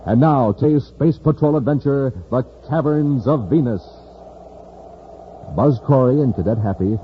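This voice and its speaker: A man's voice: medium pitch, dull audio. A male announcer in a 1950s radio serial, narrating and selling cereal with showy emphasis. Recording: hissy old radio transcription.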